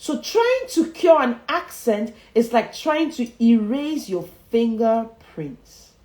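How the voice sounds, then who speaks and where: A woman leads a motivational speaking lesson with emphatic repetition and frequent chuckles. Her pitch rises and falls in a lively way as she pushes each point. The sound carries a noticeable room echo. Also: slow. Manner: emphatic, repeats key phrases, chuckles often. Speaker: public speaking coach. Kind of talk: motivational livestream teaching. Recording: roomy echo.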